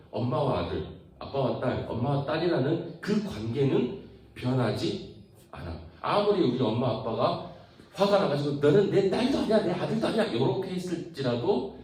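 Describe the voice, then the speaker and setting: A man's voice: mid-range voice, distant mic. A man preaching to teenagers in a chatty way, often asking the audience questions and acting out family conversations. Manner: acts out family dialogue in lively put-on voices. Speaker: youth preacher. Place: large church hall. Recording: very echoey hall, voice heard from afar.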